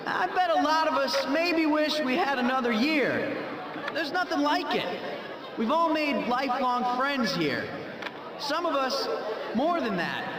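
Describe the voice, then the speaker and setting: A man's voice: very high-pitched, big pitch swings, unhurried, noisy background, full character voice. A man voicing a young male student giving a sentimental graduation speech at a school dance, in game audio. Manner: earnest and sentimental. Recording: roomy game audio with crowd.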